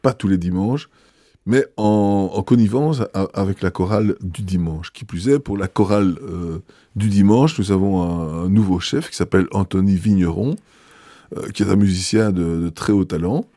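A man, a bishop answering interview questions in a measured, hesitant way with many fillers and restarts. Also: low-pitched, mellow, no room sound, studio quality.

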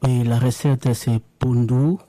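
A man from DR Congo whose first language is Lingala, a radio guest explaining a home recipe in a halting way with many restarts. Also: medium pitch, steady tone, warm tone, no room sound. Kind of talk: radio interview, casual explaining.

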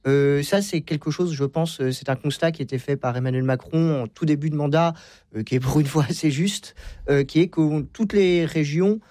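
A man speaks as a guest historian on a radio debate, thinking aloud with many restarts and fillers. His voice sits a bit high. The sound is close and dry. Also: normal speed, mellow, dry recording. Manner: hesitant, many repetitions and fillers. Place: radio studio.

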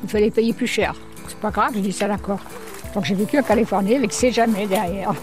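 An older woman from Brittany, a returned emigrant, telling stories as a guest on a radio interview in a lively, chatty way. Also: medium pitch, brisk, over music. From Brittany, France. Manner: lively storyteller, chatty and animated.

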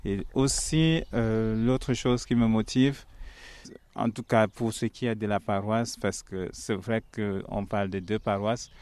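Smooth low-voiced friar. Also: male voice, fairly even intonation, unhurried, a little mellow. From Cameroon. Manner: reflective and earnest, with frequent hesitations. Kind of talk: interview answers.

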